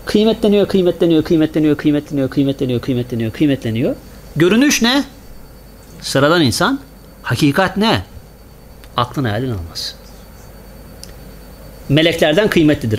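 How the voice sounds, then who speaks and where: This male preacher has a fairly high-pitched voice, recorded with slight background noise. He is delivering a Friday sermon to a congregation in a small mosque, asking questions he then answers and repeating words in rhythmic sequences.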